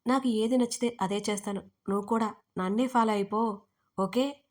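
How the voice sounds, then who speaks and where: A woman's voice: on the high side, moderate pace, natural voice. A woman voicing an arrogant, bossy young male businessman who gives commands in a teasing way in an audio story.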